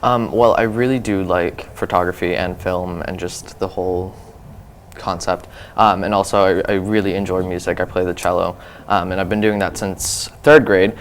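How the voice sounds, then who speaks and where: A teenage high school student answering interview questions, relaxed with frequent ums. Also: male voice, moderate pace, slight background noise. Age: teens. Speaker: guest.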